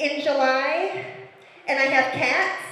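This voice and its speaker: A woman speaks at a high pitch and a very slow pace. Room echo is audible. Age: 30s. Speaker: stand-up comedian. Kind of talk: stand-up. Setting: stage with audience. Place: stage.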